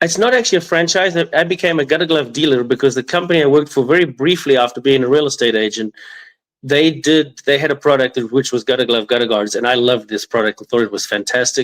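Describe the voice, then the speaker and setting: A man's fairly high voice in a South African accent, at a very fast pace. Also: ordinary pitch variation. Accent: South African accent, noticeable. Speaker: home improvement business owner. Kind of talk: podcast interview. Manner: hesitant, with fillers and repetitions.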